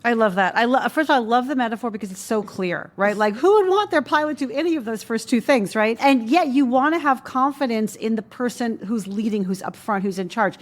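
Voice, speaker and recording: Woman podcast host, kinda high voice, chatty and keen. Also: expressive, a little fast, few pauses. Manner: enthusiastic, chatty with "like" fillers. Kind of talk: interview questions.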